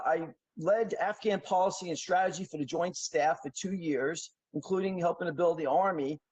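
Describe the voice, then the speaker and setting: A middle-aged man from New York City talks at length as a podcast guest. His voice sits slightly high, and he rambles through stories with plenty of fillers and restarts. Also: a little mellow, poor audio. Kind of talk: casual interview storytelling.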